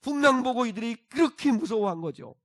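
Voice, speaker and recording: A man preaching a sermon as pastor, moving between quiet asides and loud, emphatic exhortation, and leading the congregation in reading scripture. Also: very high-pitched, expressive, brisk.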